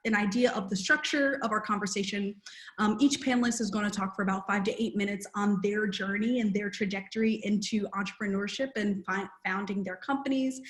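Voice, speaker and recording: Young woman, panel moderator, upbeat, filler-heavy, roomy video-call sound. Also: medium pitch. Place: small room at home.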